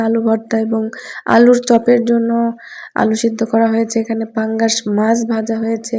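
Chatty gravelly-voiced woman with a Gazipur accent. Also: fairly high pitch, mellow. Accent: Gazipur Bangla. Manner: chatty, explains each dish to viewers. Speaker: mother and home cooking vlogger. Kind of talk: casual home vlog narration. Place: home kitchen.

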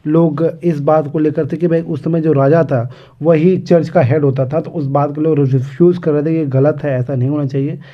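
A man teaching an exam lesson on English literature, reading English passages slowly and explaining them with many hesitations. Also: a little high, steady tone. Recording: dull lo-fi recording.

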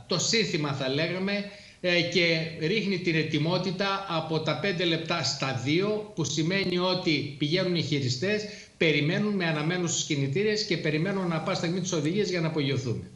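Middle-aged guy, ex pilot, explains slow and careful, lots of uh, echoey studio sound. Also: a little high, a bit bright. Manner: measured explanatory, frequent hesitations. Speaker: retired air force pilot guest. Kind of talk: studio talk show discussion.

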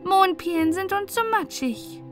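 A woman's voice: very high voice, measured pace, soft background music, pitched above the performer's own voice. A woman voicing a playful, picky little mouse child in an eager, pleading, childlike way for a fairy tale.

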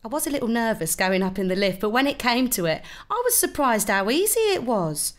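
A woman's voice: fairly high pitch, sing-song, a little fast. A British woman playing a cheeky, confiding female office worker in a scripted comic radio advert. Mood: coy, confiding. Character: cheeky female office worker making innuendo-laden confession.

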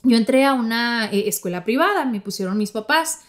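Woman, Mexican accent, podcast host, casual storytelling, talks to listeners, fairly high voice. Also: animated, a little fast.

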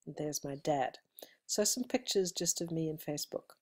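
A middle-aged woman with a South African accent talks to her students through a webcam recording at her desk. Her voice sits a little low, and she speaks in a relaxed, conversational way, with ums and restarts. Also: moderate pace. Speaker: college instructor. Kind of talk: friendly self-introduction screencast. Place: indoors at a computer, seated.

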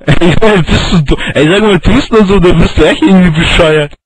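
A man's voice: high-pitched, moderate pace, breathy edge, dry recording, poor audio. A young man arguing in online voice chat in a mocking, slangy, dismissive way. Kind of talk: casual online voice-chat argument.

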